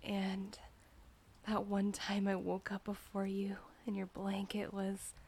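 A young woman whispering softly and breathily in an intimate audio roleplay, with soft sighs between lines. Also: mid-range voice, monotone, slow pace, vocal fry, husky.

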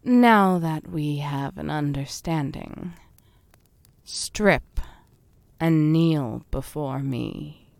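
A possessive fae queen, played by a woman, purrs her commands very slowly, lingering on each word. Her voice sits a little low and often drops into a breathy whisper. The recording is dry and close, with no room sound. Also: darkish tone, no room sound, exaggerated voice. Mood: seductive, menacing. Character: domineering seductive fae queen, possessive and menacing. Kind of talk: audio roleplay.

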